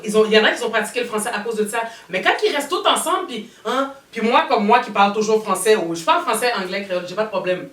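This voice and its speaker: Animated woman host. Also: mid-range voice. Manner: animated, talks in quick rambling bursts. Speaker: talk show host. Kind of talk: casual panel chat. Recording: roomy studio sound, mic at a distance.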